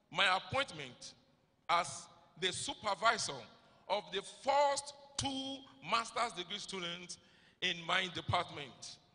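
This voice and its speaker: Raising and projecting his voice, a man speaks with a high pitch and a bright, sharp tone, his intonation lively, his pace very slow and broken by long, frequent pauses. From Nigeria. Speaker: professor giving inaugural lecture. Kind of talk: lecture. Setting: stage with audience. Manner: formal. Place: hall. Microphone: handheld.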